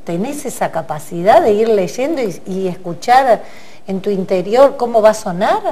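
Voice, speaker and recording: A middle-aged woman hosting a TV studio talk show, lively and chatty, jumping in with quick remarks. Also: mid-range voice. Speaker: TV host. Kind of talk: casual TV chat. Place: TV studio set at a table.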